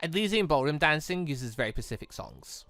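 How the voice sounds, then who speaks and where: A man's voice: fairly high pitch, very animated, fairly quick, a bit bright, no room sound, soft background music. A man voicing a haughty but affectionate young upper-class woman in a visual novel, prim, exasperated and teasing. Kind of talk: visual novel read aloud.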